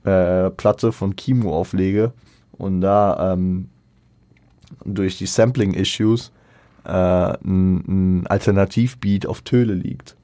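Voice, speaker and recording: Low-voiced man stumbling through a review. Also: fairly even intonation, slow pace, warm tone, no echo. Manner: hesitant, many fillers and restarts; colloquial slang. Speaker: music reviewer. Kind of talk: casual spoken album review.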